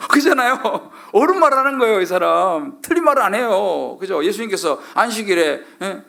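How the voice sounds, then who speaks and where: Lively, gravelly-voiced man preaching. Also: high-pitched, moderate pace. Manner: questioning the congregation, acting out quoted lines. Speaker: pastor. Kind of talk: sermon.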